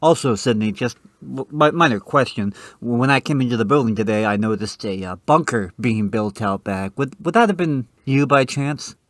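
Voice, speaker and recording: A man hosting a comedy radio show, hesitant and deadpan as he banters. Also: medium pitch, normal speed, few pauses, dry recording, clean studio sound.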